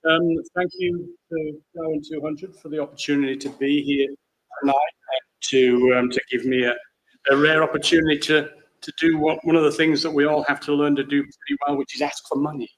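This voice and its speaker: Man, big booming voice, measured delivery, stage microphone, large theatre. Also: flat delivery, fairly bright tone, low-quality recording. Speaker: conservation program leader. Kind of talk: live stage talk.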